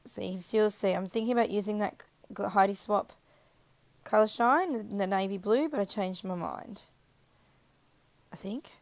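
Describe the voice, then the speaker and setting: Woman, casual craft-tutorial voiceover, scratchy and husky, rambling, dry close mic. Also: medium pitch, moderate pace, long pauses, dry recording. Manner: chatty, rambling, self-correcting. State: croaky, scratchy voice. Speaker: craft video maker. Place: voiceover recorded apart from the footage.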